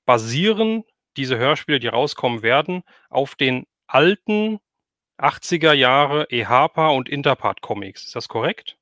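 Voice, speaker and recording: A man's voice: mid-range voice, sing-song, measured pace, pushed and bright, no room sound, studio quality. A man speaking as a livestream host in a casual, chatty and enthusiastic way while interviewing a guest.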